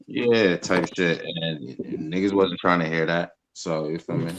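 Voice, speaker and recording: A man on a talk panel, talking slowly and searching for his words. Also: low voice, fairly even intonation, a little hiss or hum, poor audio. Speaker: guest panelist. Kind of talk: casual chat.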